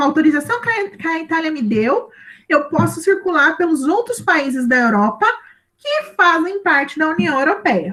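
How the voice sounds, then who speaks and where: A woman's extremely high pitch with a bright, sharp tone and very wide pitch swings. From Brazil. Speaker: school teacher. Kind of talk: online class lecture.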